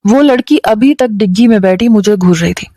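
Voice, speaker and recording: A woman storyteller giving scripted first-person story narration in a steady, even delivery. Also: mid-range voice, normal speed, no echo.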